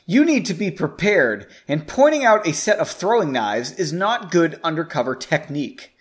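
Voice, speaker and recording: Curt scolding young mage woman, read aloud by a narrator, lively pitch. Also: normal speed, lightly acted. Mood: stern. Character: stern young female mage spy.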